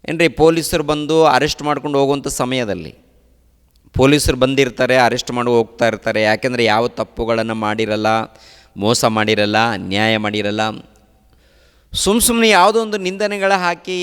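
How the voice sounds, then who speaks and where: A male pastor delivers a sermon in emphatic, rhythmic phrases, piling up repeated lines one after another. His voice sits somewhat high for a man. A long reverb tail hangs behind every phrase. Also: fairly bright tone, clear, resonant tone. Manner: repetitive emphatic preaching, listing phrases in threes.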